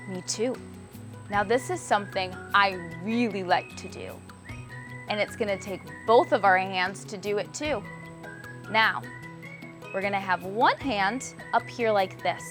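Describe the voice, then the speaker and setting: A woman's voice: mid-range voice, fairly bright tone. A woman teaching sign language to young children step by step, talking simply and encouragingly to the viewers. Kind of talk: children's show lesson, step-by-step instruction.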